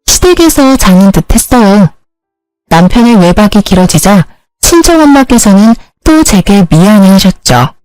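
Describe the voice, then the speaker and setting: A woman telling a first-person family drama story in steady scripted narration. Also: mid-range voice, moderate pace, no echo, soft background music, low-quality recording.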